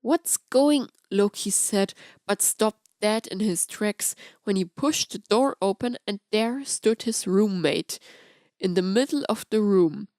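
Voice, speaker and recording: A woman's voice: medium pitch, unhurried, darkish tone, no room sound. Woman narrating a story, dry recording. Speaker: audiobook narrator. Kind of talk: scripted story narration of fan fiction.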